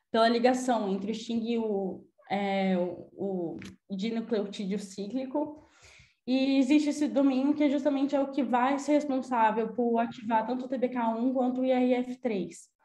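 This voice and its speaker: A woman's high-pitched voice at a moderate pace, with ordinary pitch variation and audible room echo. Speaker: medical and PhD student presenter. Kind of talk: journal club presentation. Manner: halting, many fillers and repetitions.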